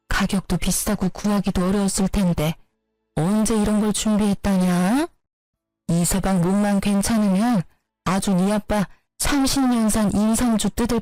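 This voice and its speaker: A woman voicing an excited, chatty middle-aged mother who gushes in rapid-fire talk. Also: medium pitch, no room sound, close to an everyday voice, rough recording.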